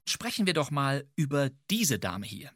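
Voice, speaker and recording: Husky man narrating in a dry room. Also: mid-range voice, sing-song, moderate pace, a bit bright, no echo. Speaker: podcast co-host. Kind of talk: scripted, playful narration.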